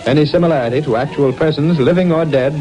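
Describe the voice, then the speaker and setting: A man announcing a 1930s radio drama in a booming, dramatic style. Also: quick pace, dark tone. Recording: old radio recording with music.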